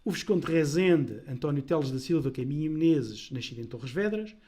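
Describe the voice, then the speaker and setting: Male lecturer, mellow timbre, slightly raised pitch, measured and deliberate. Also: expressive. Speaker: historian lecturer. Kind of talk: scripted history talk.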